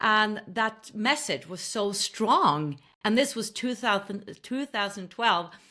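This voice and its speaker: A woman with a Norwegian accent and a bright, sharp tone speaks at a very slow pace on a very clean recording with a silent background. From Norway. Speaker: podcast host and spiritual interviewer. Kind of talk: interview conversation.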